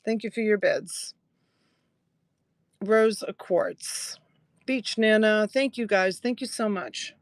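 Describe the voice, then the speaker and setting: Speaking slowly with frequent pauses, a live-stream jewelry seller in her early sixties keeps up a casual chat with her viewers in a mid-range voice. She laughs a lot and thanks each buyer by name; the recording has no room sound.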